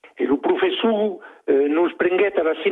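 Fairly slow speech in a southern French accent. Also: man. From Rouergue, southern France. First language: Occitan (speaking French). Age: 70s. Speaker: author. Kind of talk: interview. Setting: phone call.

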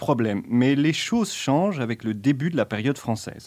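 Over a silent background in a very clean recording, a man with an ordinary speaking voice talks at a moderate pace with lively intonation. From Brussels, Belgium (Ixelles). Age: 20s. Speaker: student radio host. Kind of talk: scripted radio narration. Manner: theatrical, playful.

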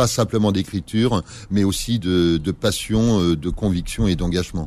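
This man's voice is very deep and low. He speaks at a fairly slow pace with ordinary pitch variation. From Paris. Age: 70s. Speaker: activist and poet. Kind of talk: radio interview.

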